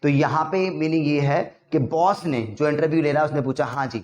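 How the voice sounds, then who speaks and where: A man in an echoey room gives a lively vocabulary lesson. His voice sits a little high for a man, and he acts out small scenes and quizzes his listeners as he goes. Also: normal speed, highs cut off. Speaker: English vocabulary teacher. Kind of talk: casual Hindi lesson with acted-out examples.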